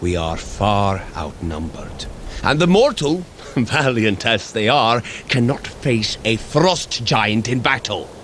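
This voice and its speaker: An actor playing a noble, earnest warrior god in an audio drama, speaking in a measured, formal way. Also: male voice, on the low side, a bit bright, a little hiss or hum, heavily acted. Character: Thor, noble male warrior god, earnest, steady, trusting.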